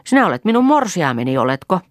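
A woman's voice: lowish voice, very animated, no room sound, studio quality, voice pushed up. A woman reading aloud, voicing an earnest little country boy who coaxes his playmate. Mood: eager.

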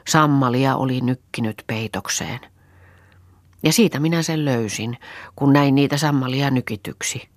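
A woman's voice: extremely low pitch, no echo, studio quality. A woman reading an audiobook, voicing a weary, plain-spoken country woman who rambles matter-of-factly. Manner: rambling, matter-of-fact storytelling.

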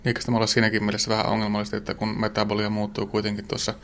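A man hosting a radio interview, asking measured, probing questions. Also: fairly low pitch, monotone, fairly bright tone. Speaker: radio host.

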